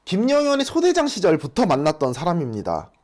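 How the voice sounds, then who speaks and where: A man's voice: high voice, fairly quick. A man in his thirties who reports on trials, explaining a case step by step in a casual talk. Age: 30s. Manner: steady, explanatory, lays out points one by one.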